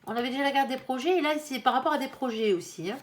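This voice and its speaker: A woman's voice: high voice, very fast. Chatty woman reading tarot cards. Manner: chatty, constant "hein", playful asides. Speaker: tarot reader.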